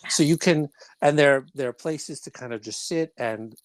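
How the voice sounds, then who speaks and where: A podcast host asking questions in a chatty, animated way, often restarting sentences. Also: medium pitch, normal speed, slight background noise. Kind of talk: casual interview.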